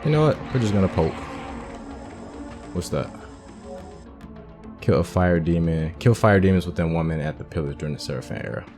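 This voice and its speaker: Playing through a game for his channel, a deep-voiced host thinks out loud about the plot in a laid-back way. He talks a little fast but pauses often, and faint game music runs beneath his voice.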